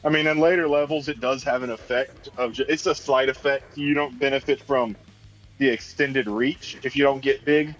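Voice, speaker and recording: A man's voice: mid-range voice, steady tone, moderate pace, fairly bright tone, soft background music. A man playing a tabletop game, chatting casually, asking questions and reasoning aloud. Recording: slightly dull, band-limited sound.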